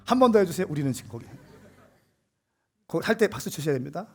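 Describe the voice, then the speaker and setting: A male pastor preaching a sermon, animated and swelling to emphatic peaks, with a husky voice. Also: a little high, quick pace, faint music behind.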